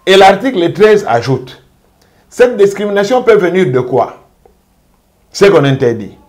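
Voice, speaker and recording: A man speaking as a jurist, making a measured, emphatic legal argument and driving points home by repeating them. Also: high-pitched, sing-song, a little mellow. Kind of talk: interview commentary.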